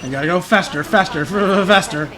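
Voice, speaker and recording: A man's voice: high-pitched, fast, sharp tone. A man giving casual, playful and opinionated commentary as he plays through a game. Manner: playful, opinionated, repeats himself. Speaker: gaming YouTuber.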